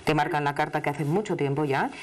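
Seated at a desk in a television studio with a studio microphone, this Asturian woman of middle age reads tarot live for a caller. Her voice sits low and moves quickly, and her manner is chatty, familiar and emphatic, in an Asturian Spanish accent from Asturias, Spain.

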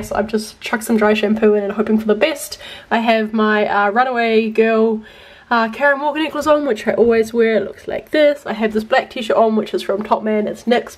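A high-voiced young New Zealand woman you'd hear on a weekly home vlog, casually catching viewers up on her week as she holds the camera. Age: 20s. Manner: chatty, informal, frequent "like". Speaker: vlogger. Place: rooms at home. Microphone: handheld camera at arm's length.

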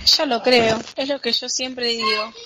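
A woman's voice: a little high, steady tone, unhurried, bright, forceful tone, slight background noise, rough recording. A young woman with an Argentine accent playing a bossy, scheming, fawning older mother in an amateur radio play. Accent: Argentine, Buenos Aires area. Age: young adult.

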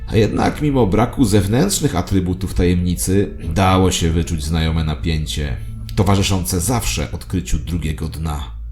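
A man's voice: deep voice, moderate pace, darkish tone, faint music behind. A man narrating a scripted first-person audio drama as a storyteller.

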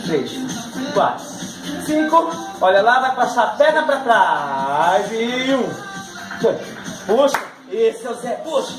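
A man's voice: very high voice, very animated, takes it slowly. A middle-aged man with a Brazilian accent leads an exercise class for older pupils, counting and cheering them on between laughs. He is picked up by a camera across an echoey living room. Music plays steadily behind him. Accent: Brazilian Portuguese. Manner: upbeat counting and cueing, frequent laughs. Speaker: fitness instructor.

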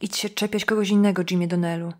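A woman's voice: mid-range voice, level tone, a little fast, slightly rough, lightly acted. A stern woman behind a lunch counter, cutting in sharply and firmly, voiced by the reader. Her words are clipped and no-nonsense. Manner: sharp, firm.

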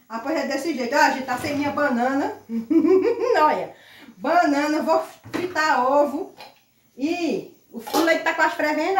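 A woman vlogging casually while she cooks at the stove at home, loud and chatty, laughing often. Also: high-pitched. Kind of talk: casual chat while cooking. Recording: echoey kitchen, mic set far off.

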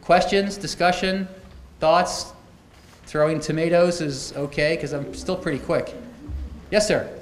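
This middle-aged keynote speaker has a slightly high voice with fairly even intonation and a measured pace. Standing at a podium, he tells stories in a chatty style sprinkled with wry remarks, captured by podium mics in an echoing auditorium with a little noise.

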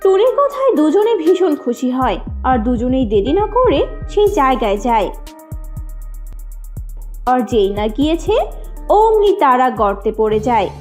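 A woman storyteller narrates a children's tale in a very high voice. Her delivery is lively and melodic, with faint music behind her. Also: measured pace, long pauses.

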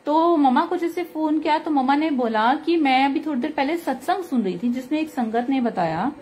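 A woman's voice: sits high, normal speed, a little mellow, slight background noise. A woman with a sore throat, earnestly recounting a devotional experience in casual spoken testimony. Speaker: devotional speaker sharing a satsang.

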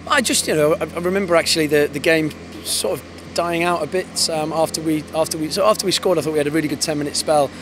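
A man in his thirties, an English football head coach, giving a post-match interview outdoors on a floodlit pitch at night, fast and thoughtful with many restarts. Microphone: handheld interviewer mic. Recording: outdoor with clear background noise.

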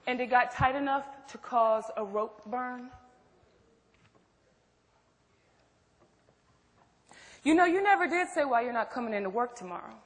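Actress as outspoken best friend, high-pitched, echoey hall. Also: female voice, expressive, a little fast, lightly acted. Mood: blunt, accusing. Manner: blunt, probing, emphatic. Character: Jackie, outspoken, protective best friend and coworker. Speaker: stage play actress. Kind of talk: stage play dialogue. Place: theatre stage.

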